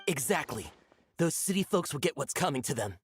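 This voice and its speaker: An excitable true-believer villager in a game, gossipy, earnest, kinda cowardly. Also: male voice, on the high side, a little fast, slight background noise. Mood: zealous, conspiratorial. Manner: earnest, excitable, stammering when cornered. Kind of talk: video game voice acting.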